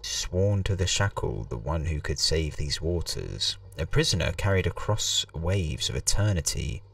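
A man reading game text aloud as a solemn storybook pirate narrator, slow and dramatic. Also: extremely low pitch, very animated, creaky, fairly bright tone, distant mic, pitched below the performer's own voice, exaggerated voice. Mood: solemn, ominous.

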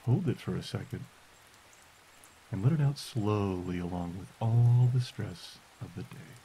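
Very soft, mellow man guiding meditation over rain. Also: lowish voice, animated, poor audio. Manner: soft, slow, soothing delivery. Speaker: podcast host. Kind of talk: guided meditation. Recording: hiss and rain noise.

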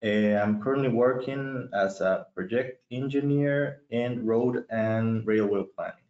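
A man's voice: fairly low pitch, a little slow, a little mellow. A man in his thirties from Costa Rica, an engineer answering interview questions with hesitant, short remarks. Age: 30s. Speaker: webinar guest, engineer. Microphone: video call. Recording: roomy muffled call audio.

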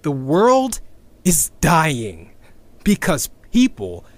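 An actor playing a disillusioned, sweary activist in a sci-fi audio drama, sardonic and halting as he records a confession. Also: on the high side, wildly swooping pitch, dry recording, full character voice. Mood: weary, resigned. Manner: sardonic, halting, with sighs and wry laughs. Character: bitter, disillusioned male activist, weary and sweary.

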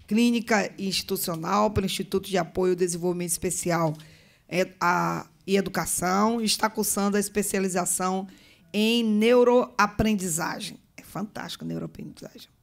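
A woman's voice: mid-range voice, moderate pace, vocal fry. A middle-aged woman from Bahia with a Bahian Brazilian accent, chairing a meeting with formal remarks and informal asides into a table microphone. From Bahia, northeastern Brazil. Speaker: state legislator chairing a meeting. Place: legislative meeting room, indoors. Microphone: table gooseneck microphone.

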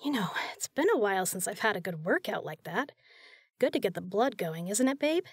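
A woman's voice: medium pitch, sing-song, brisk, husky, dry recording, clean studio sound. A woman playing a tough, capable spy in an audio drama, flirty yet caring. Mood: brisk, businesslike. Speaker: voice actor in a fan audio drama. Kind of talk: audio drama acting, intimate.

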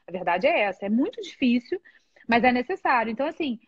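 High, husky Brazilian woman on a live stream. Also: fast talker, no room sound, muffled recording. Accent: Brazilian Portuguese. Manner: candid and expressive, with frequent laughs. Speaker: guest in a live chat. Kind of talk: casual live video chat.

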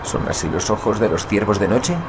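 A man's voice: on the low side, brisk, heavy background noise, close to an everyday voice. An actor playing an anxious, impatient stranded husband and father in an audio drama, agitated, demanding and prone to stammer. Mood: alarmed, unsure.

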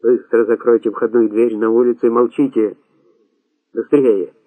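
A tense young hitman snaps out quick, clipped orders, as a male audiobook reader puts him on. His voice sits in a middle pitch, heard through a thin, phone-like sound. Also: flat delivery, natural voice. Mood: urgent. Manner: urgent, clipped commands.

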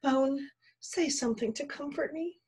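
A woman's voice: sits high, measured pace, darkish tone, pitched above the performer's own voice. A woman voicing a timid young female storybook creature, pitiful and plaintive, with a whimpering, earnest manner. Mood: fearful, sorrowful. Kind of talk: storybook character voice.

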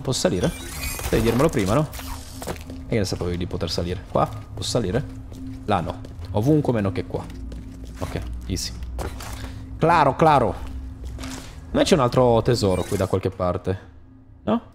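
A young man plays through an action game and talks to it the whole way, his pitch swinging widely as he yells at enemies and drops to low muttering while he searches. He swears freely and his tone stays casual. Game music plays clearly underneath. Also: very animated, moderate pace, long pauses. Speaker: gaming channel host. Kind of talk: casual gameplay commentary.

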